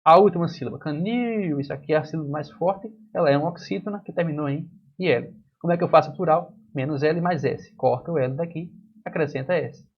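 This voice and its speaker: A Brazilian man teaches grammar online, walking through each rule step by step and answering his own questions. His voice sits a little high and sounds husky. The recording is muffled and lo-fi. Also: quick pace. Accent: Brazilian Portuguese.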